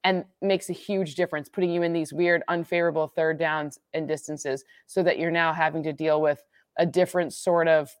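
A woman from the Midwest talking through football analytics in casual chat, quick and full of restarts. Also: low voice, fairly even intonation, no echo, studio quality. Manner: quick, restarts sentences, laughs at own jokes.

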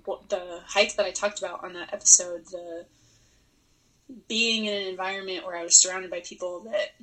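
Bright-voiced woman thinking out loud. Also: fairly low pitch, fairly even intonation, moderate pace, poor audio. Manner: verbal processor, thinks aloud with restarts and laughs. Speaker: returning podcast guest. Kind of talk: reflective conversational interview.

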